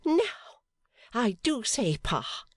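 A reader voicing an indignant, snobbish young woman who scolds in long, shrill complaints in an audiobook. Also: lively intonation, moderate pace, no room sound, clean studio sound. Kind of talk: storybook reading.

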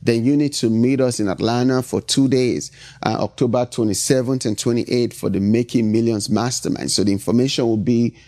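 A man's voice: medium pitch, fairly even intonation, a little fast, darkish tone. A middle-aged man from Nigeria with a Nigerian accent, hosting a motivational business podcast and driving his points home with repetition and frequent "right?". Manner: emphatic, repetitive, asks "right?" often. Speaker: podcast host.

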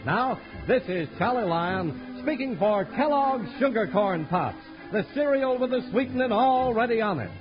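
A man announcing in old-time radio style, reading credits and sponsor plugs in an emphatic, polished pitch. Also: lively intonation, normal speed, few pauses. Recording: dull vintage radio recording with music. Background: music.

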